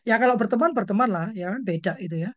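A woman's voice: mid-range voice, fast talker, highs cut off. A woman hosting a parenting discussion who talks bluntly and emphatically. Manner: blunt and emphatic, acts out quoted voices. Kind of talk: outspoken panel discussion.

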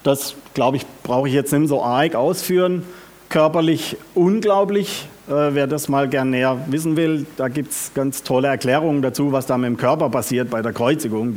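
A man preaching a sermon, often asking the congregation questions and speaking with lively emphasis. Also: medium pitch, moderate pace.

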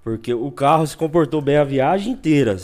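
Animated Brazilian man telling a road story. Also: fairly high pitch, fairly quick. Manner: lively slangy storyteller, acts out quotes. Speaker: guest. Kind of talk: casual storytelling chat.

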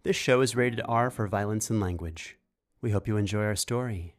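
A man's voice: on the low side, normal speed. A man working as game master, narrating horror fantasy in an ornate, theatrical scripted style over music.

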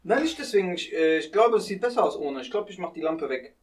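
A man's voice: sits high, lively intonation, quick pace. A man hosting a casual chat in colloquial youth slang. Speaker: podcast host.

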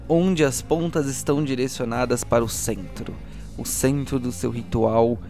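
A man working as game master, narrating a dark tabletop roleplay session with dramatic weight. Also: medium pitch.

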